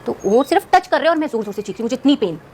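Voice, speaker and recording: A woman speaking quickly as a podcast guest, recounting a personal story in an earnest, rambling manner and mixing English words into her sentences. A faint hum of room ambience sits behind her voice. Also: sits high, lively intonation, a little mellow. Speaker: guest, singer.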